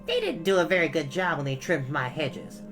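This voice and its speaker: A man's voice: on the high side, huge pitch swings, normal speed, fairly bright tone, faint music behind, pitched above the performer's own voice. A man doing a fussy, gossipy old townswoman. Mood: petty. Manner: petty, complaining.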